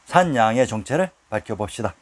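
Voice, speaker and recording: A man giving scripted history narration, reading long lists of place names in a steady, measured way. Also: on the low side.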